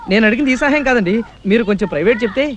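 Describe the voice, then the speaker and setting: A cheeky, bumbling young tailor from a comic film scene, fawning and overly polite, rattles his lines off quickly. He keeps pestering and apologizing in the same breath. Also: high voice, expressive, slight background noise.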